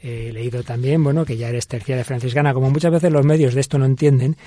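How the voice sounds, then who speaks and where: A priest interviews a guest, keeping his turns short and murmuring agreement. He speaks quickly in a slightly husky voice, in a dry, close sound. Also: mid-range voice, steady tone, warm tone, dry recording. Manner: brief prompts and murmured agreement.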